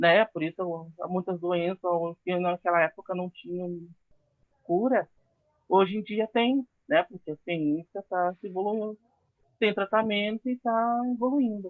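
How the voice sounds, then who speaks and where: A woman talks at medium pitch and a fairly slow pace with ordinary pitch variation. She pauses often and at length. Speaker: psychology student and Braille instructor. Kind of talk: talk in an online panel discussion.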